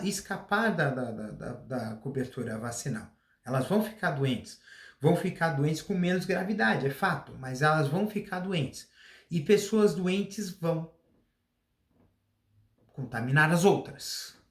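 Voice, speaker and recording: A man's voice: a little high, echoey room. A Brazilian man hosting a casual solo talk, rambling with restarts, a slight cough. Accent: Brazilian Portuguese. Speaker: podcast host.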